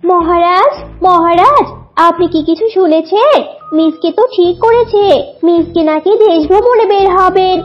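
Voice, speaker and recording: A woman's voice: very high voice, expressive, measured pace, lo-fi sound, soft background music. A woman voicing a fussy, worried female fox in a cartoon, chatty and pleading. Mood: anxious, reporting. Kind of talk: cartoon voice acting.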